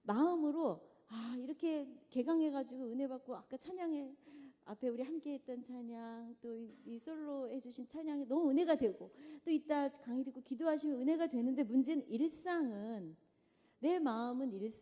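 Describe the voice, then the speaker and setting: A middle-aged woman giving a conversational church lecture to mothers, animated and often asking the audience questions. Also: sits high, moderate pace. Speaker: guest lecturer. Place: large church hall. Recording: long church hall reverb.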